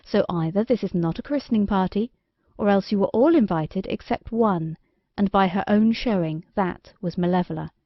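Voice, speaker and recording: A woman voicing a plain-spoken, firm king who lectures and reasons, a little lower than her own voice, in a storybook reading. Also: normal speed, no room sound, close to an everyday voice. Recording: dry, slightly dull recording.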